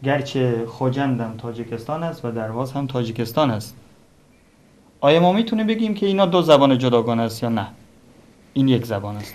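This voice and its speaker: Someone talks at a very fast pace with a Tajik accent, broken by long, frequent pauses. Room echo is audible. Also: man, medium pitch for a man. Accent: Tajik Persian. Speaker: TV host. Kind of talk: interview discussion.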